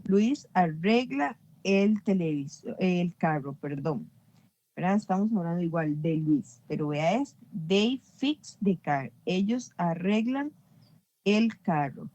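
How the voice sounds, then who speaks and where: A woman's voice: on the low side, expressive, slow, warm tone, highs cut off. Patient woman teaching English. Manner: patient, checks understanding with frequent "verdad". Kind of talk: online class explanation.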